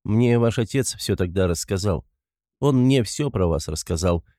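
A gloomy, brooding young man with short, sullen replies, read by a male narrator. The voice sits low and warm, with little brightness. It is recorded close and dry. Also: expressive, normal speed, no echo, lightly acted. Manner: gloomy and abrupt.

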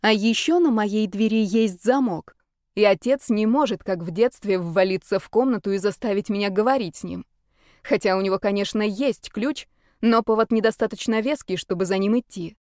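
A woman narrating a first-person audiobook in a measured, even reading. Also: mid-range voice, dry recording, clean studio sound.

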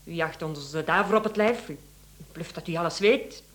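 A woman's voice: lowish voice, moderate pace, fairly bright tone, close to an everyday voice. A woman playing a suspect's haughty, defiant wife in a radio drama, speaking in a biting, challenging manner. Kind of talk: Dutch-language radio drama acting.

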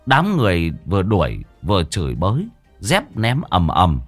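A man narrates a comic tale in a lively, colloquial way. His voice is low but moves a lot, with music playing faintly behind. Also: normal speed, no echo. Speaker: storyteller. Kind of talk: comic storytelling.

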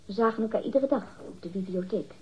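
An actress playing a defensive, haughty young librarian under questioning in a radio drama, curt and bitterly sarcastic. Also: female voice, medium pitch, fast talker, slightly rough, muffled recording. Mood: guarded, irritated.

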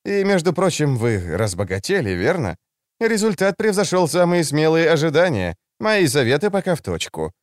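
A man's voice: on the high side, sing-song, normal speed, no room sound, studio quality, voice pushed up. A man doing a smug, theatrical schemer. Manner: grandiose, mock-dramatic.

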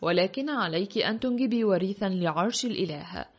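A woman's voice: medium pitch, expressive, fairly quick, breathy edge. Woman reading as an ardent young crown prince. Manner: earnest and frank. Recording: dull lo-fi audio with faint music.

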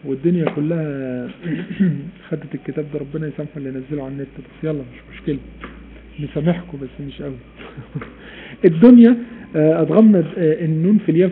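Egyptian male recitation teacher, live-stream lesson, animated, quizzes listeners, tinny phone-like audio. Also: fairly high pitch, a little hiss or hum. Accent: Egyptian Arabic. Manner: animated, repeats key points, asks students questions.

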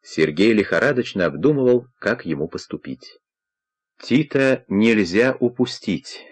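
A man narrating a crime novel as an audiobook in a steady, measured reading. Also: lowish voice.

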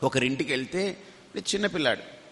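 A man's voice: on the high side, lively intonation, normal speed, fairly bright tone. A man teaching as a swami in a spiritual discourse, telling stories and acting out what people said, mixing in English phrases. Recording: long hall reverb.

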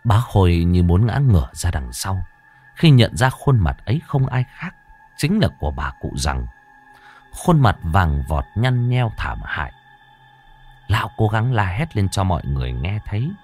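A man reading a ghost story aloud in a steady storytelling manner. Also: low voice. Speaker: narrator.

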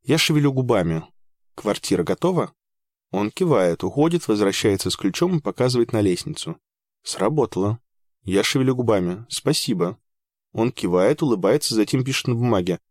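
A man narrating a first-person audiobook in an even, measured way with dry understatement. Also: lowish voice, no room sound.

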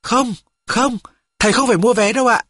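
A man's voice: extremely high pitch, a little fast, fairly bright tone, no echo, studio quality, pitched above the performer's own voice. A man reading an audiobook, voicing a polite, earnest teenage boy who answers adults respectfully.

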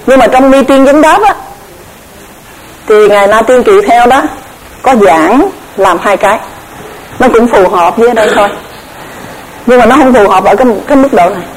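Measured woman teacher. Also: fairly high pitch, a little hiss or hum, low-quality recording. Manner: measured, explanatory, often repeats words while searching. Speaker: Buddhist Abhidhamma teacher. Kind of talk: recorded dharma lecture.

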